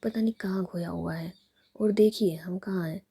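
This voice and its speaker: A coaxing, doting young woman who pleads and teases her sulking partner, whispered by a woman telling a love story. The whispered role-play is breathy and gravelly, with a deep mellow tone. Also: normal speed, full character voice.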